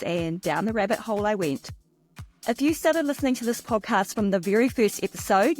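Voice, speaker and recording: New woman hosting a podcast. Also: a little high. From New Zealand. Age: middle-aged. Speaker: podcast host. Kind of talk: podcast interview.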